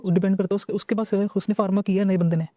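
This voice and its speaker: A man's voice: high voice, flat delivery, very fast, mellow, no room sound, studio quality. A man hosting a casual podcast conversation, polite and agreeable, giving short replies. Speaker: podcast host.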